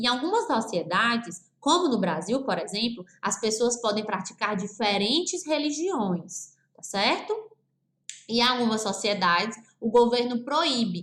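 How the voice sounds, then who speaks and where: Fairly high-pitched and fairly slow, a woman speaks with a regional Brazilian accent and lively intonation. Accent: noticeable regional Brazilian. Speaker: school teacher. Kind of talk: online lesson for children. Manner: friendly, conversational.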